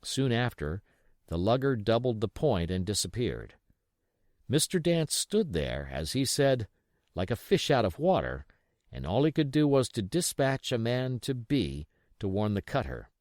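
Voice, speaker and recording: Expressive male audiobook narrator, lively pitch. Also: a little slow, no room sound, clean studio sound. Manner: expressive storytelling. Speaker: audiobook reader. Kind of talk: scripted dramatic narration of an adventure novel.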